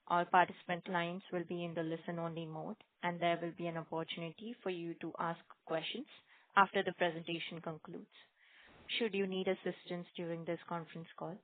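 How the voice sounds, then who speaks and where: A woman reading a scripted conference call announcement as the operator. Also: on the low side. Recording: narrow tinny phone line.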